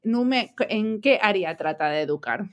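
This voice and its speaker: A woman hosting a podcast, reading a measured introduction and then asking interview questions. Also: mid-range voice, animated. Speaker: podcast host.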